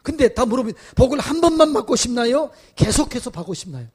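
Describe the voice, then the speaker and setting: A male pastor preaching at a revival meeting. He questions the congregation and builds to loud exhortations. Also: extremely high pitch, big pitch swings, fast, slightly rough. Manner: acts out quoted voices in dramatic asides. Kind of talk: revival sermon.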